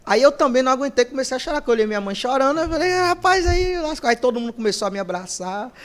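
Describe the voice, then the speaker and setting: A man with a fairly high voice for his sex tells stories as a guest on a podcast, speaking casually and conversationally. He brings his anecdotes to life by acting out the voices of the people he quotes. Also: racing. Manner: lively storyteller who acts out quoted voices. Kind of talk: casual storytelling interview.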